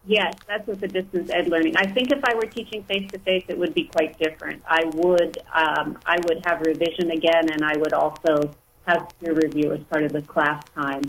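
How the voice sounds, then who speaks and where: A woman's voice: low voice, fairly even intonation, fairly quick, few pauses, low-quality recording. Hesitant woman guest on a radio show. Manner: hesitant, restarts sentences often. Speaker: author and writing instructor, guest. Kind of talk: casual radio interview talk. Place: radio studio.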